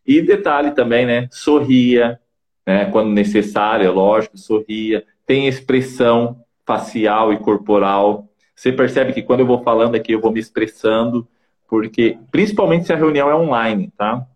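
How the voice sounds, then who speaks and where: A man with a Brazilian Portuguese accent gives casual communication advice in an online interview, his mid-range voice moving at a moderate pace with a slightly dark tone. He coaches didactically, constantly checking in with little tags like "tá?" and "né?".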